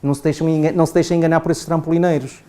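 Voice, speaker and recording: With a slightly high, dark voice, a level tone, and rapid-fire delivery, a European Portuguese-accented trainer gives adults a conversational classroom lecture, regularly asking them "não é?".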